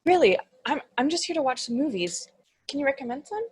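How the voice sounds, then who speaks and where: A woman playing a timid, insecure, apologetic thirteen-year-old demon in an animated comedy table read. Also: sits high, fairly quick, over a noisy crowd. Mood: eager. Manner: stammering, apologetic.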